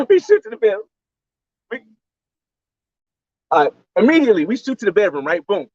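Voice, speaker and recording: A man's voice: high voice, big pitch swings, normal speed, a little mellow, no echo, muffled recording. A man from the United States, a travel vlogger, telling a story in a rambling, slangy way on a livestream and repeating his phrases.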